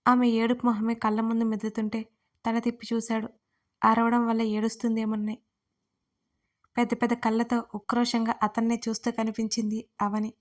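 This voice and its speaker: A woman storyteller giving scripted narration of a romance story in an even, steady reading. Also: fairly high pitch, normal speed.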